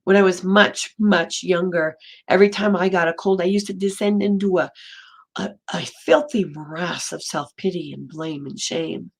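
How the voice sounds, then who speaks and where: A woman minister giving a gentle, storytelling sermon in a slightly hoarse voice, slowing and softening for emphasis. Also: on the low side, fairly even intonation. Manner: gentle storytelling, slows and drops to near whisper for emphasis. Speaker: interim minister. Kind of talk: sermon talk.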